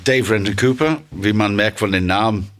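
A man's voice: on the low side, normal speed, a bit bright. A man from England with an English accent, a plant manager answering interview questions hesitantly, with many fillers.

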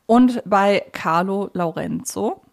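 A woman's voice: medium pitch, slow pace, creaky. A woman with a German accent co-hosting a podcast, casually discussing audio plays in a chatty, conversational way. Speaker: podcast co-host.

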